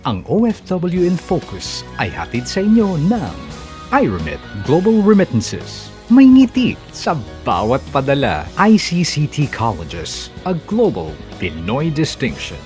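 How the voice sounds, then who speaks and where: A man's voice: on the high side, wildly swooping pitch, unhurried, over music. A man reading a formal sponsor announcement in an announcer's voice.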